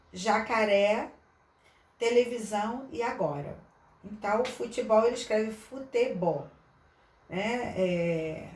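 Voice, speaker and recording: A woman's voice: medium pitch, recorded from a distance. Woman teaching, heard from off-mic. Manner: thinks aloud with many fillers and restarts. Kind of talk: online lesson explaining a handout. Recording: echoey room, voice off-mic, faint noise.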